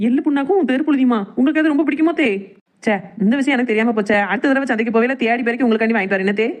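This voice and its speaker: A woman acts out a chatty, unfazed young cartoon daughter-in-law with a southern Tamil Nadu accent. Her voice sits a bit high and tumbles out extremely quickly. She teases with cheeky mock innocence. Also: close to an everyday voice. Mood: mock-innocent. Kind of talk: cartoon comedy drama dialogue.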